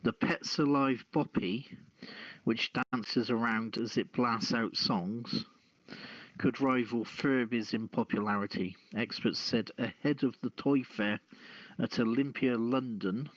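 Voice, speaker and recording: A man hosting a news podcast, reading stories and adding casual asides in a halting delivery. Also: medium pitch, a bit bright, dry recording. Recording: dull lo-fi audio.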